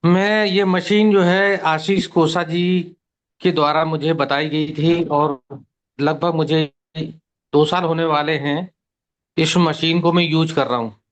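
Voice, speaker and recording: A man in his fifties from near Gwalior, giving a steady, detailed personal testimony on a video call. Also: on the high side, takes it slowly. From India, near Gwalior. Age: 50s. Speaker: testimonial guest. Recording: muffled online call audio.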